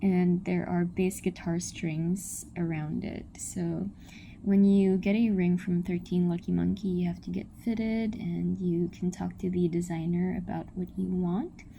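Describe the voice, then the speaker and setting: A soft-spoken woman at a fairly slow pace. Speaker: vlogger. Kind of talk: show and tell vlog.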